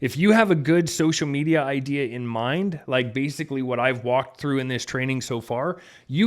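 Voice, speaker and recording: A man's fairly high pitch with ordinary pitch variation, on a very clean recording with a silent background. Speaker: online marketing coach. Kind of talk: screen-share tutorial. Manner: fast; casual with many fillers.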